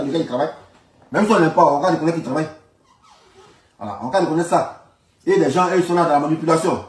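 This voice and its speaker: A man with an Ivorian French accent giving informal political commentary, insisting on his points and repeating his phrases emphatically. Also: high-pitched. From Ivory Coast. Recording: roomy echo, distant from the mic.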